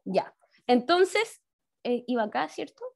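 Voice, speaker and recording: A woman's voice: fairly high pitch, big pitch swings, takes it slowly, vocal fry. A woman teaching science in an online class with a Chilean accent, explaining step by step and checking in with tag questions after each point. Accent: Chilean Spanish. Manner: speaks to the pupils as kids. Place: home, on a video call. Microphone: laptop mic on a video call.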